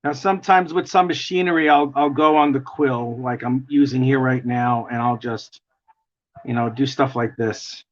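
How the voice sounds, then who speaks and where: A man with a gravelly voice and a New York accent, chatting in a rambling way while he draws on a livestream. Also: mid-range voice, steady tone, moderate pace. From United States. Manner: chatty, rambling, chuckling often. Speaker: artist livestreaming a drawing session. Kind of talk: casual chat while drawing. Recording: dull lo-fi stream audio.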